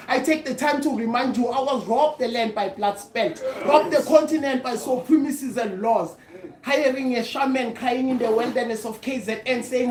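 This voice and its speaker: A woman performs a spoken-word poem with impassioned, declamatory force. Her voice sits fairly high and carries a roomy echo around it. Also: darkish tone. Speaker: poet reciting at a gathering. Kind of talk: spoken-word poetry recitation.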